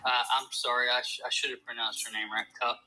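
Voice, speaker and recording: A woman's voice: very deep voice, flat delivery, fast, crowd noise, low-quality recording. A middle-aged woman with an Arkansas Southern accent, chatting casually and politely as a caller, with a deferential manner. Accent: Arkansas Southern American. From Arkansas, United States. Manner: deferential, says ma'am often. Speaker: caller on a live stream.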